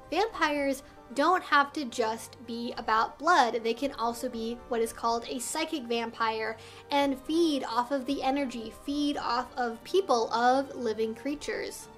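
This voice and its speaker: A woman with a noticeably high voice presents an explainer vlog. She addresses her viewers directly in careful, emphatic phrases. Soft music plays faintly behind her. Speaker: video host and educator.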